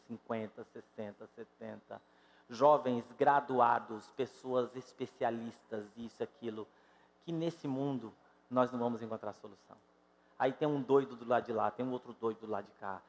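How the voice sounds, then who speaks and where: A Brazilian man in his fifties preaching a sermon to his congregation, emphatic and direct, swinging between loud exclamations and quiet, drawn-out phrases. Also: mid-range voice, long reverb tail. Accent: Brazilian Portuguese. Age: 50s. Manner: emphatic, rises and drops sharply in loudness, addresses congregation directly. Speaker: pastor. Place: church sanctuary.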